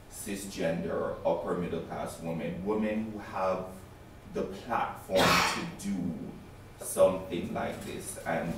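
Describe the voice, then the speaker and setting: A man with a very deep voice puts a deliberate, probing question to a panel. He sits well away from the microphone. His words ring with heavy echo from the room, over a faint steady hiss. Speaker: journalist asking a question. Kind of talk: audience question at press conference. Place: press club conference room. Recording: distant, very echoey room mic.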